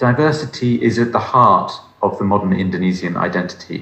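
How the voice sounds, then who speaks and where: Audible room echo surrounds speech at a fairly slow pace. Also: man. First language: English (speaking Indonesian). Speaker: ambassador. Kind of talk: formal speech. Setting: webinar. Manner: formal; hesitant with fillers.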